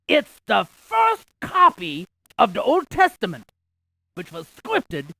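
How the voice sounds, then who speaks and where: Quirky educational-game scientist: excitable, gravelly edge, quippy delivery, close dry sound. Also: female voice, on the high side, no echo, exaggerated voice, poor audio. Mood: amazed. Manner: theatrical, quippy, exaggerated emphasis. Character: excitable, quirky museum scientist giving landmark trivia. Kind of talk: playful scripted educational game narration.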